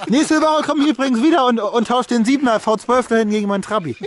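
A man's voice: extremely high pitch, fast talker. A man chatting casually as a car vlogger, blunt and crude in slangy, joking banter, recorded outdoors. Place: outdoors in a farmyard beside parked cars.

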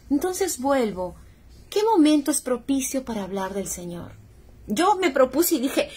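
A middle-aged woman talks through a home livestream in a loose, rambling way, circling back and repeating phrases as she goes. Her voice sits a little high and has a husky edge. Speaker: livestream host. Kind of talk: casual faith-based livestream talk.

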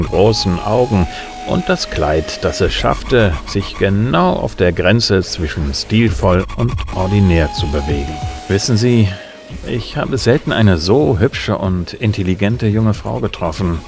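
An actor playing a cocky middle-aged bounty hunter who flirts smoothly and narrates wryly in a sci-fi audio drama. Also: male voice, low voice, big pitch swings, a little slow, exaggerated voice. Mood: flirtatious. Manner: wry, laconic. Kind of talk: first-person noir narration and dialogue in German sci-fi audio drama. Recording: music behind the voice.

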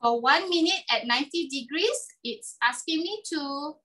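A woman's voice: high-pitched, lively intonation, moderate pace, pushed and bright, recorded from a distance, low-quality recording. A woman giving a chatty live cooking demonstration in a kitchen, often checking in with "okay?".

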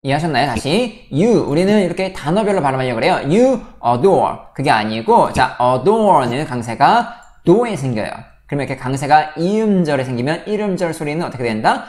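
A woman teaching English pronunciation in a casual video lesson, slowly demonstrating words. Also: sits low, lively intonation, a little mellow.

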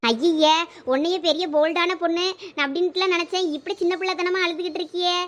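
A chatty, fretful young village wife, played by a woman in a family comedy skit. Her voice sits very high and the words tumble out fast and animated. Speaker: skit actor playing a young wife and her sister-in-law.

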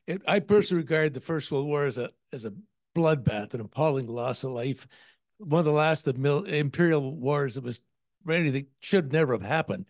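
A man's voice: fairly high pitch, lively intonation, brisk, dry recording. Earnest man questioning from the audience. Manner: earnest, pressing, opinionated. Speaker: audience member asking a question. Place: meeting room with an audience.

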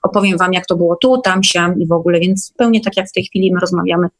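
A woman's voice: lowish voice, fairly even intonation, fast. A woman guest casually recounting experiences in an online meeting, chatty and often seeking agreement.

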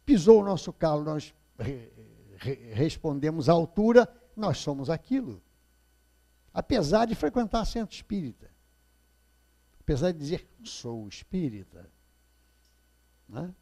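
A man's voice: on the high side, very animated, measured pace, creaky, pauses often, dark tone. An older man from Brazil with a Rio de Janeiro Portuguese accent, giving a public talk at a spiritist center and telling stories, often repeating key phrases and asking the audience questions, recorded by a far camera in a small indoor hall.

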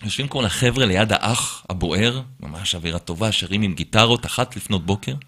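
A man, a rabbi, telling a personal story in an animated way and acting out the quotes. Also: fairly low pitch. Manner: lively storyteller who acts out quotes.

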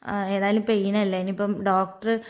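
A woman's voice: medium pitch, flat delivery, moderate pace, slight background noise. A woman, chatting casually in a vlog, with many fillers and friendly tags. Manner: chatty, frequent fillers and tag "ട്ടോ". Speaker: vlogger.

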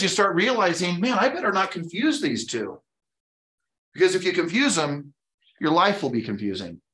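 A man's voice: fairly high pitch, fairly bright tone. A middle-aged American man from Utah giving a motivational training talk, emphatic and conversational with frequent rhetorical questions. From Utah, United States. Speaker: real estate sales trainer. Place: indoor training room with whiteboards. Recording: echoey room.

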